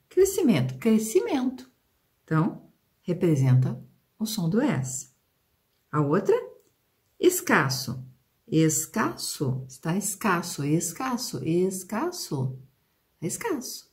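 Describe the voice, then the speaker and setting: A Brazilian Portuguese-accented woman teaching children, sounding out words slowly and prompting the class with questions. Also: fairly low pitch, a little mellow. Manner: slow, drawn-out pronunciation of example words; questions and prompts aimed at pupils. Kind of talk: video lesson for children.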